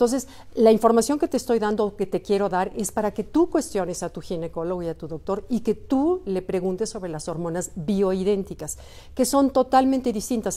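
Her voice dark and mellow, a woman talks at a fairly quick pace with lively intonation. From Mexico. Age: 60s. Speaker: lifestyle author and speaker; speaker. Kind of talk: talk to camera. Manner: conversational, informal. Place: garden. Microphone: phone near.

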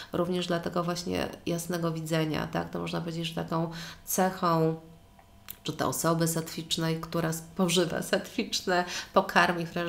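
Amid audible room echo, a woman with a fairly low voice talks at a moderate pace. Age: 50s. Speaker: yoga and meditation teacher. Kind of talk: casual interview. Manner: halting, many repetitions and fillers.

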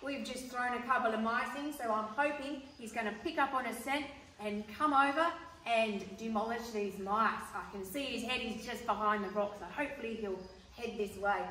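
Amid light background noise and audible room echo, a woman speaks at a moderate pace with ordinary pitch variation. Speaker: presenter. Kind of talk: casual educational commentary. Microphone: phone near.

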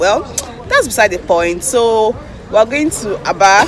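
A woman's voice comes through dry with no echo, faint music playing in the background. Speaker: travel vlogger. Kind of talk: casual vlog chat. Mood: cheerful, chatty. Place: station. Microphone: phone near.

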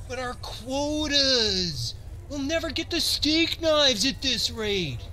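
A man's put-on character voice, whiny in tone and raised and projected, delivered at a fairly slow pace over clear background noise. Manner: officious, then whiny.

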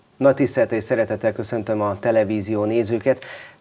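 Speaking at a fairly quick pace, a man has a fairly low pitch and a dark, mellow tone. His intonation is fairly even. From Hungary, Sopron; Hungary. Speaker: TV host. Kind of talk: interview. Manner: formal. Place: studio. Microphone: lapel.

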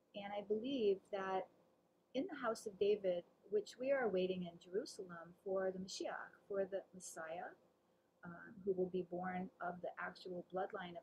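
Her voice is somewhat breathy, medium in pitch, with ordinary pitch variation. This woman speaks at a moderate pace with an American accent. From US. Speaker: spiritual speaker and songwriter. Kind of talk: personal testimony. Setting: Zoom video call.

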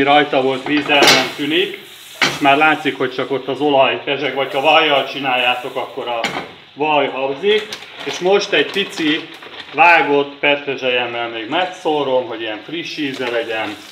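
There is noticeable background noise behind a man speaking. He keeps a moderate pace with ordinary pitch variation. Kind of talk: tutorial. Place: kitchen.

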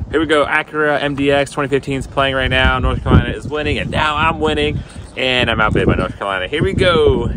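A man talks at a moderate pace over loud background noise. The sound is dry with no echo. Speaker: car rebuilder bidding at auction. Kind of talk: casual vlog chat. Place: open country. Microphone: phone near.

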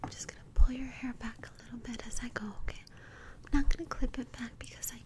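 A woman talks in a high pitch with a monotone, flat intonation. Noticeable background noise runs under her voice. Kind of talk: soft-spoken role-play talk to viewer. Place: home room. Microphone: earbuds.

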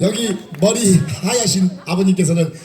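With a Jeolla accent, the speaker uses a playful, upbeat tone and ordinary pitch variation over noticeable background noise. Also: man. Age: young. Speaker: trot singer and farmer. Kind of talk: closing remarks to a live concert audience. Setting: outdoor live stage. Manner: playful, upbeat banter.

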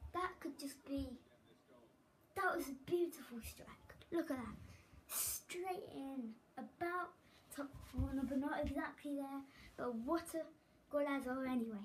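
A woman speaks with a high pitch and ordinary pitch variation, leaving long, frequent pauses over light background noise. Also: fairly slow pace. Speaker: video game YouTuber. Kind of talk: casual gaming commentary. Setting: gameplay recording voiceover. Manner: rambling, halting, filler-heavy. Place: home room. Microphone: phone near.

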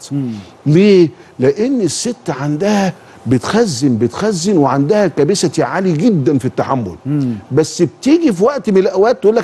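A man's high pitch in a dark, mellow tone, with very wide pitch swings at a fairly slow pace. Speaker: guest. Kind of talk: interview answer with anecdote. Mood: animated storytelling. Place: studio.

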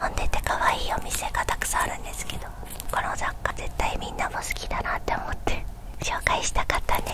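A woman's soft-spoken whisper. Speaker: ASMR creator. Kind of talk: soft ASMR haul chat. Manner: soft ASMR whisper into close mic. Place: home room. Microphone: handheld.

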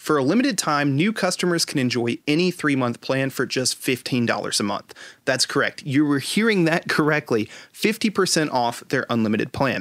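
This man has lively intonation and a moderate pace. The background is quiet and the sound is dry, with no echo. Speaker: tech channel host. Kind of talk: sponsor read. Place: home room. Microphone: studio mic.

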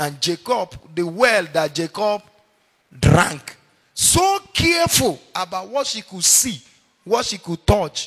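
Against a quiet background, a man speaks. His pace is fairly slow. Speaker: guest preacher. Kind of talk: sermon. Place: church. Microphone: handheld.

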